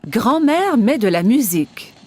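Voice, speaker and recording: High-voiced woman narrating children's stories. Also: big pitch swings, a little slow, dark tone. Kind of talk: scripted children's story narration.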